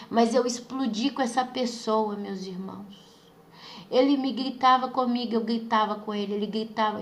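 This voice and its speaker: A woman tells her story to a congregation in a fairly high, urgent voice. She repeats her phrases for weight and keeps turning to her listeners. The sound rings with a roomy echo. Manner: repeats phrases, often calls the listeners "brothers". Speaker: preacher giving testimony. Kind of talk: emotional testimony to a congregation.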